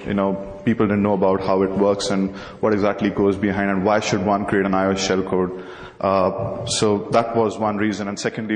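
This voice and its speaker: Young indian guy at a conference podium, flat lowish voice, lots of uhs, big echoey hall. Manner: hesitant, many uh fillers. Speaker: conference presenter. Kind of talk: technical conference talk. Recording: echoey hall, faint noise.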